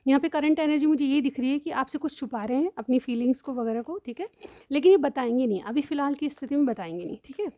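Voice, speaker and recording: A woman reading tarot cards for her viewers. She explains each card in turn, often says "theek hai", and keeps clearing a sore throat. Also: high voice, lively intonation, fast talker, dry recording, dull audio. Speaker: tarot reader.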